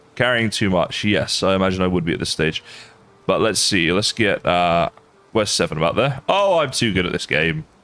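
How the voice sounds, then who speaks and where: A man with an English accent talks fairly quickly in a fairly low pitch. His tone is bright and sharp, and his intonation is lively. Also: very even loudness. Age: 30s. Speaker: gaming streamer. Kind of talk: live gaming stream chat. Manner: casual, joking.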